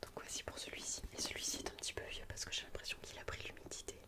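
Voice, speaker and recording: A young adult woman with a French accent, speaking in a hushed, breathy ASMR library whisper close to the microphone. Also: racing. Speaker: ASMR video host. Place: quiet indoor room. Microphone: close studio mic with furry windscreen.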